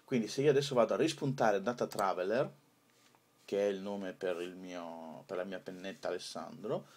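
A man presenting an informal software tutorial, improvising hesitantly with drawn-out pauses. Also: low voice, slight background noise.

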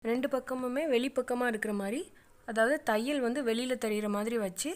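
A woman's voice: a little high, steady tone, a little fast. A middle-aged woman, narrating a step-by-step sewing tutorial with plain, patient instructions. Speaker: craft channel host.

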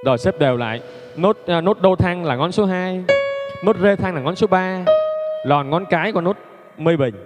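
Man, piano teacher, chatty, joking, long reverb, loud piano playing. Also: high voice, moderate pace. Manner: chatty, joking, laughs at himself. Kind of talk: casual piano lesson with jokes.

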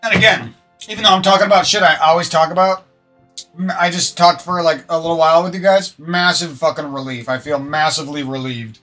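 A man's voice: a little high, fairly even intonation, a little fast, pushed and bright, soft background music. A man talking to his stream viewers into a desk microphone from a room at home, venting about past relationships in a rambling, profane way with many restarts. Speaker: gaming streamer.

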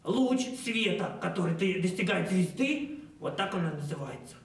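An actor playing a cheerful know-it-all clown on a children's TV show, explaining eagerly with lots of fillers. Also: male voice, high-pitched, expressive, normal speed, vocal fry. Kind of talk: playful children's TV banter. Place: indoor TV studio set. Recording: roomy studio set, mic at a distance.

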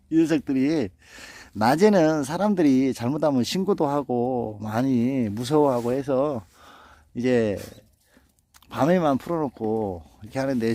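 A man's voice: medium pitch, warm tone. A middle-aged man filming his dogs outdoors in the snow, coaxing and scolding them in a raised sing-song voice and narrating in a casual vlog style. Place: outdoors in a snowy yard.

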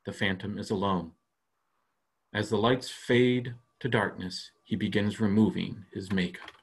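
A man reading stage directions as scripted narration, measured and plain, for a staged reading. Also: on the low side, steady tone, vocal fry, husky.

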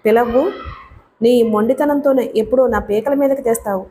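A woman's voice: fairly high pitch, moderate pace, warm tone, a little hiss or hum, lightly acted. A woman voicing a stern worried older mother. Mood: scolding. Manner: scolding, sighing.

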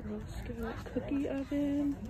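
A woman's voice: sits high, slow pace. A woman vlogging as she browses a yard sale, musing aloud about each item she picks up, recorded on a handheld phone outdoors. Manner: chatty, muses aloud over items. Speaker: reseller vlogger. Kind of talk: casual narration while shopping. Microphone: handheld phone camera. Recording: outdoor crowd and loud noise behind.

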